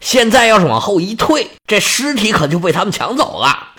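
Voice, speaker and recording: A man's voice: sits high, very animated, a little fast, sharp tone, slightly rough, heavily acted. A man voicing a tense, dutiful male warrior who speaks earnestly. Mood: grim.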